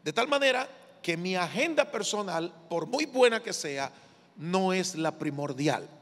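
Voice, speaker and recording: Male pastor preaching, slow and emphatic, church sanctuary, echoey hall. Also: high voice, expressive, a bit bright. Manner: measured, emphatic preaching with call-and-response prompts. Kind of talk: sermon. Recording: long reverb of a large hall.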